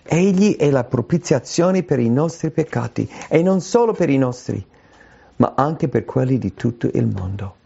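A man preaching a sermon in an earnest, emphatic way, slowing down to stress key phrases. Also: medium pitch, expressive, creaky, warm tone, slightly rough. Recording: dull lo-fi sound.

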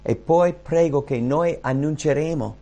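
A man's voice: a little high, measured pace, dark tone, dull audio. A man preaching a sermon, explaining a point in an earnest, teaching manner and pressing hard on key phrases.

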